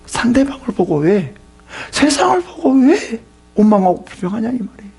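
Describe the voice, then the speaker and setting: A male pastor preaching a sermon with a raspy voice, swinging from loud to whispered. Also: extremely high pitch, sing-song, normal speed.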